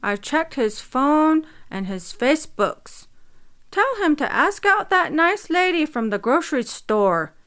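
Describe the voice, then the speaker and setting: A woman's voice: sits high, big pitch swings, measured pace, fairly bright tone, voice pushed up, exaggerated voice. A woman voicing her dead mother speaking through a smart speaker, scolding and tender by turns.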